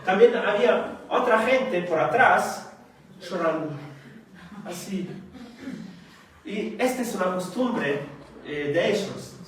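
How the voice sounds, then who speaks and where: A man preaching a sermon, speaking slowly and haltingly with frequent hesitations and rhetorical questions. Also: high-pitched, lively intonation, slight background noise. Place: church meeting hall. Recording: echoey hall recorded from far off.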